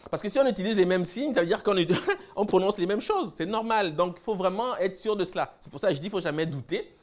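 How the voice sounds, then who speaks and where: A man from Cameroon giving a lecture, listing words slowly and then explaining them with emphasis. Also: high-pitched, animated. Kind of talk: lecture on word roots.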